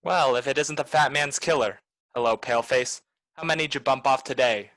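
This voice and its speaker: A man's voice: mid-range voice, a little fast, fairly bright tone, no echo, close to an everyday voice, poor audio. An actor playing a cynical, wisecracking private detective in a 1940s noir radio play, talking in clipped, sardonic tough-guy lines. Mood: taunting.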